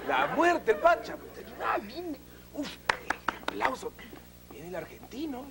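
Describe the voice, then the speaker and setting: A man comedian telling jokes in an animated way, with spoken sound effects. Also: very high-pitched, takes it slowly, very noisy. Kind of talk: stand-up joke telling.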